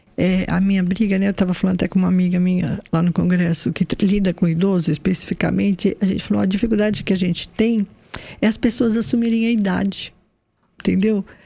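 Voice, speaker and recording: Speaking at a fairly quick pace, a woman with an unremarkable speaking voice keeps a medium pitch, very even loudness and fairly even intonation. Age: 60s. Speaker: podcast co-host on senior life. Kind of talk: casual chat.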